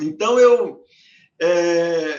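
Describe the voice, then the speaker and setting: This is a male speaker. Ordinary pitch variation marks his speech. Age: 60s. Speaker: bank analyst and professor. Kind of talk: testimony.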